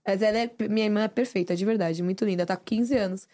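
A young woman from Brazil, a reality show winner chatting as a podcast guest, expressive and quick to laugh. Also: medium pitch. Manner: expressive, laughs often, storytelling. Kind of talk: casual podcast chat.

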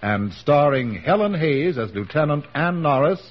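A man's voice: on the high side, expressive, moderate pace. Stately old-time radio announcer, man. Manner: stately, emphatic. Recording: muffled old radio broadcast with music.

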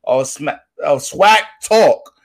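A man hosts a laid-back podcast, his voice pitched a little high. He rambles through his questions and keeps tagging on "you know what I mean.". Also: expressive, takes it slowly. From Maryland, near Baltimore. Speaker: podcast host. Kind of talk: casual podcast interview.

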